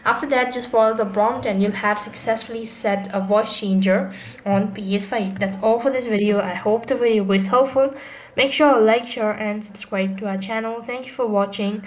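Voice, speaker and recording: A woman narrating a software tutorial as host, explaining step by step in a halting, repetitive way. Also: on the high side, steady tone. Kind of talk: explanatory screen tutorial voice-over. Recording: echoey room with clear background noise.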